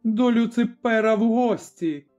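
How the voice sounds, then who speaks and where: A man's voice: extremely high pitch, unhurried, darkish tone, voice pushed up. A man voicing a grim, fearless Cossack father who speaks firmly and commandingly in a storybook reading. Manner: firm, commanding. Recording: slightly dull recording, faint music.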